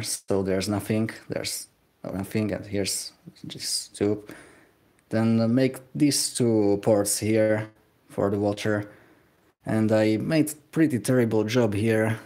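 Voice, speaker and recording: A man's voice: lowish voice, a little mellow. A young man with a Slovak accent, talking hesitantly while he works in a home workshop during a live stream. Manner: hesitant, self-deprecating, halting. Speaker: livestreaming glassblower. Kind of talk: casual live-stream commentary.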